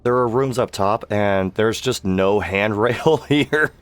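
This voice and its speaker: A man's voice: lowish voice, slow pace, clean tone, no room sound. A man giving casual live-stream game commentary, his voice worn from sickness and hours of streaming. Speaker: streamer, amateur voice actor.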